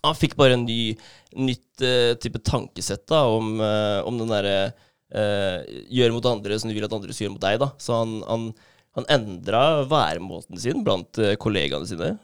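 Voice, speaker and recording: A man tells a story in an easy, chatty way, breaking in with fillers and bursts of laughter. His voice has a gravelly edge but stays smooth and resonant. The sound is dry and close, with no room echo. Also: on the low side. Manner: animated retelling with many fillers and laughs. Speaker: podcast co-host. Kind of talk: casual storytelling chat.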